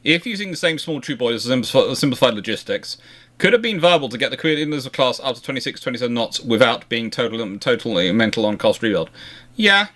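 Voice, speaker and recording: A man's voice: medium pitch, expressive, fast, fairly bright tone. A man hosting a casual history question-and-answer chat, rambling and often circling back to rephrase himself. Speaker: host answering viewer questions.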